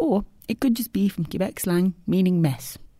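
With a British accent, a woman speaks at a moderate pace and medium pitch, her dark, mellow tone somewhat breathy and her intonation lively. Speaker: podcast host. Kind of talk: scripted narration.

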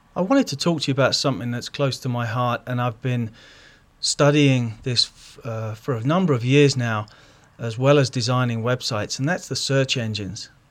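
With a London accent, a man talks at a moderate pace, his medium pitch showing ordinary variation. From London, England. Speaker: web designer. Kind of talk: recorded listener audio comment.

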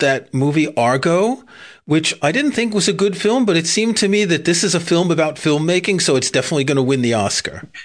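Lively intonation marks this man's high-pitched voice, delivered with an American accent at a fairly quick pace. His loudness stays very even over a quiet background. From New York City. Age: 60s. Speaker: podcast host. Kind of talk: interview.

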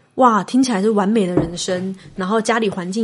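Her voice sits at a medium pitch. The woman sounds somewhat breathy. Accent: Northeastern Chinese. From Northeast China. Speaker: psychological counselor and career planner. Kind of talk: casual interview.

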